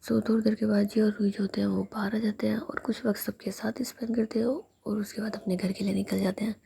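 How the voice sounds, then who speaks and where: A woman tells a story in a soft, breathy whisper. Her voice is gravelly and mellow, and she keeps a flat, even tone throughout. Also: medium pitch, quick pace.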